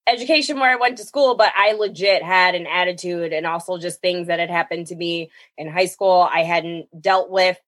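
A woman co-hosting a podcast in casual chat, animated and quick to laugh. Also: lowish voice, no room sound. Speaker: podcast co-host.

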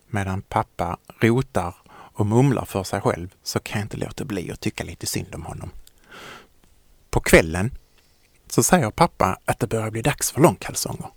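A man narrating a children's story in a gentle, lively way. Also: lowish voice, gravelly, no echo.

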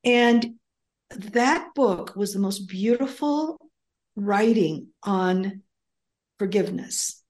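An older woman whose first language is Greek speaks as an interview guest at a slow, unhurried pace. She rambles through her stories, often restarting sentences and filling pauses with ums. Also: mid-range voice, expressive, darkish tone. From United States. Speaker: author and guest. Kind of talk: casual interview conversation.

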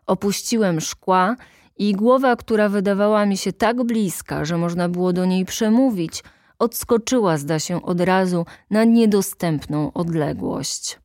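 A woman reading a literary audiobook aloud in a measured, deliberate way with dramatic pauses, close to the microphone. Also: mid-range voice, darkish tone, no room sound. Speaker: audiobook narrator.

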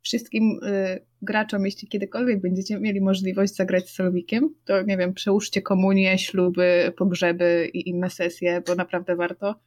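A woman's voice: medium pitch, level tone, normal speed, hardly any pauses, a little mellow. A woman, a tabletop player, musing over her character's ending in casual chat, searching for words as she goes. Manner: thoughtful, rambling, searching for words.

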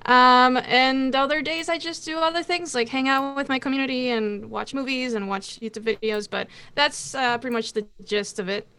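A woman's voice: high-pitched, fairly even intonation, moderate pace, few pauses, bright, forceful tone, clean tone. A woman from Costa Rica, a podcast guest chatting casually in a bubbly way. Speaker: guest, Twitch drummer.

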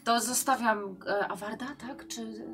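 A woman's voice: fairly high pitch, steady tone, unhurried, fairly bright tone. Chatty woman playing a tabletop game. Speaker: player. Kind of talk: casual chat during a tabletop game.

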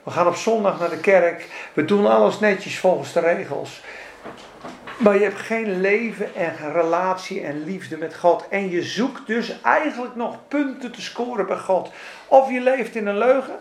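Male pastor, high gravelly voice, lively colloquial sermon, roomy echo and faint ambience. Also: measured pace, slight background noise.

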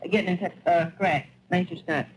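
Man acting a folksy, high-pitched American family man. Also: steady tone, quick pace, close to an everyday voice. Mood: boastful. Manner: folksy, pondering, self-satisfied. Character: boastful, rambling small-town American family man. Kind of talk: 1940s radio acting. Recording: dull, hissy vintage radio recording.

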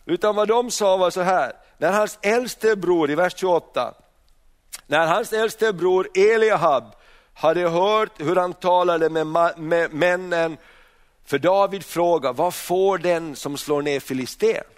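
A man with a notably high-pitched voice delivers a sermon. He talks in loose bursts, stumbling over and repeating words as he restarts sentences, and often throws rhetorical questions at his listeners. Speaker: preacher.

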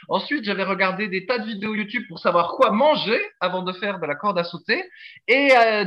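A middle-aged man co-hosting a sports podcast, chatting casually and teasing his partner with jokey stories. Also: high-pitched. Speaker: podcast co-host. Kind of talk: casual chat. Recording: dull lo-fi sound.

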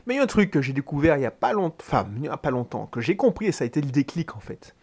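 A man's voice: on the high side, very animated, rapid-fire, a little mellow, breathy edge. A man hosting a solo motivational podcast, speaking directly and informally to the listener, emphatic and often restarting his sentences. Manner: emphatic, pushing the listener to act. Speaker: podcast host.

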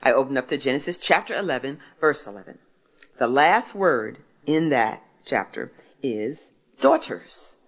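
Deep-voiced woman in her sixties testifying. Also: sing-song, a little slow. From Philadelphia, United States. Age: 60s. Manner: storytelling, asks and answers her own questions. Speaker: author and speaker. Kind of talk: faith testimony talk to an audience.

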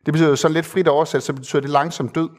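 A man's voice: fairly high pitch, fairly even intonation, a little mellow. A man preaching a sermon in an earnest, conversational way, with hesitant fillers and repeated phrases for emphasis.

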